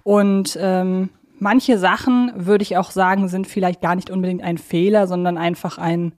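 A woman's voice: on the low side, fairly even intonation, normal speed, a little mellow. German woman hosting a casual podcast. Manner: wordy, circling explanations with self-corrections. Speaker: podcast host.

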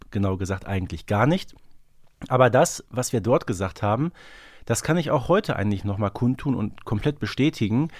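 A man's voice: medium pitch, no echo, clean studio sound. A man co-hosting a podcast in casual discussion, thinking aloud in a reflective, hesitant way. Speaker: podcast co-host. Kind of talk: casual discussion of an audio drama series.

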